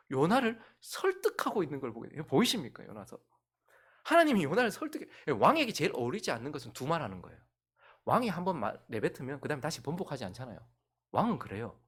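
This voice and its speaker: A male pastor preaching a sermon. He swings between loud outbursts and hushed whispers. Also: sits high.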